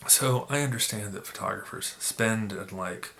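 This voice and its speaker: A man with a low, gravelly voice that is raspy from being sick. The edge of his tone is bright and sharp. He rambles casually through his opinions with lots of restarts, and faint ambience sits behind him. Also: normal speed, slight background noise. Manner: rambling, with many restarts and fillers. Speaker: photography YouTuber.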